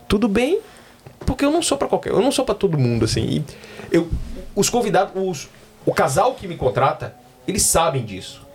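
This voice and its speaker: A wedding celebrant in Australia chats casually on a podcast, telling stories with joking asides and swearing. His voice is fairly high-pitched, with slight background noise.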